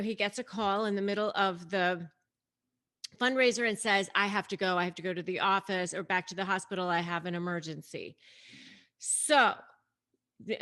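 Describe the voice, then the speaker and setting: A woman with a medium-pitched, somewhat bright voice hosts and coaches on dealing with narcissists. Speaking to camera in casual explanatory commentary, she retells a story conversationally and emphatically, addressing the audience directly.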